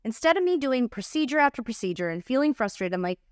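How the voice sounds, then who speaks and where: A woman's voice: a little high, big pitch swings, quick pace, clean tone, dry recording. Candid woman host with a dry sound. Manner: candid, confessional, with many restarts. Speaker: podcast host. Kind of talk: casual chat.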